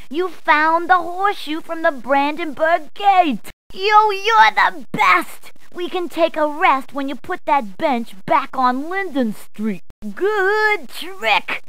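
A woman's voice: high-pitched, a bit bright, dry recording, low-quality recording. A woman voicing a cheery adult policewoman in a game, speaking in upbeat, chatty puns. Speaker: voice actor. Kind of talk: game voice clips.

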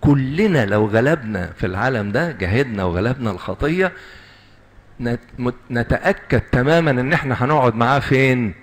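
A man's voice: mid-range voice, lively intonation. Egyptian guy giving a sermon, medium voice, keeps asking the crowd stuff and answering it himself. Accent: Egyptian Arabic. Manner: asks the audience questions and answers them; repeats lists slowly and emphatically. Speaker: lay preacher. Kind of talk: sermon to young graduates.

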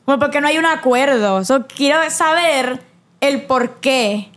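Una joven de diecinueve años con acento puertorriqueño y la voz muy aguda. Habla en serio y con sinceridad en un podcast familiar, soltando palabras en inglés entre su español. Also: female voice, high-pitched, a little slow, a bit bright. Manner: earnest, mixes in English words. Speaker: podcast guest, host's daughter. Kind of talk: casual family podcast chat.

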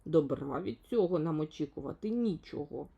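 A gloomy little fairy-tale man with a beard, read by a woman. He sounds cautious and resigned, in a mellow, measured voice. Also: low-pitched, animated, gravelly, husky, lo-fi sound, voice pushed down, full character voice. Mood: wary.

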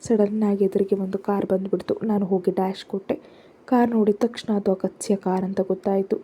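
Woman telling a story real soft, super dark mellow tone, a bit husky. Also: mid-range voice, level tone, a little fast. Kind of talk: first-person story narration.

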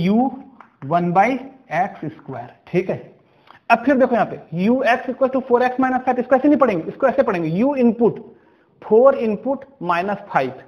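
A man teaches a maths lesson in speech, moving slowly and stopping to check that his students follow. His voice sits high for a man. The recording sounds muffled and lo-fi. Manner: slow, step-by-step, checks understanding with questions.

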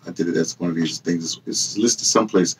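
Here a husky man in his sixties talks a little quickly in a low voice, casually addressing the camera and straying into tangents while correcting himself. A host of a personal memoir channel and an audio dramatist, he records in a small bookshelf-lined room with hung clothes. Expect a low-quality recording with a little hiss or hum.

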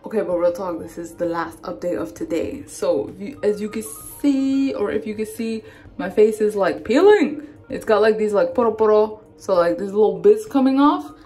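A woman's voice: mid-range voice, animated, moderate pace, dark tone, breathy edge, soft background music. Woman beauty vlogger, casual slangy review chat, mid-range voice. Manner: chatty, slangy, playful asides. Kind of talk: casual product review vlog.

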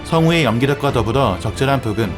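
A man's voice: mid-range voice, lively intonation, quick pace. Male anime reviewer narrating over music.

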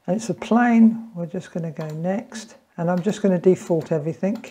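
Husky, mellow middle-aged man. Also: sits high, normal speed. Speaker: tutorial presenter. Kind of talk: informal step-by-step instructional talk.

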